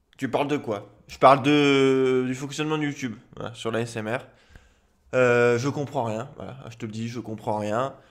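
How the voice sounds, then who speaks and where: On a very clean recording with a silent background, a man speaks at a moderate pace and a medium pitch with fairly even intonation and big swings in loudness. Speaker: ASMR youtuber. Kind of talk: rant. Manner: normal voice, not whispering.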